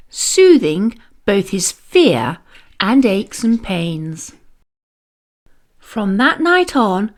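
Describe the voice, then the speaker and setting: A woman reading a children's story aloud as narrator, expressive and deliberate. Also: mid-range voice.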